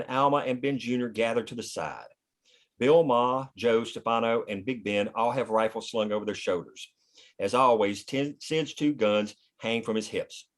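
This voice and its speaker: A man narrating the scene directions of a screenplay at a table read. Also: medium pitch. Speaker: narrator reading stage directions.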